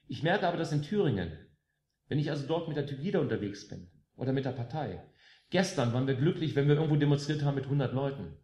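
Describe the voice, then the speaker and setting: A man's voice: medium pitch, lively intonation, fast, warm tone, dull audio. A man from West Germany addressing a live concert audience between songs, speaking emphatically with sarcastic jabs and rhetorical questions. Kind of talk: rousing political stage speech. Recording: roomy live room with faint music.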